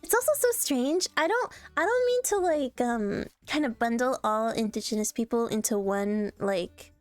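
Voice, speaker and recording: A young adult woman streaming casually, reacting to posts in a playful, animated way and laughing often. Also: fairly high pitch, moderate pace, no echo, faint music behind.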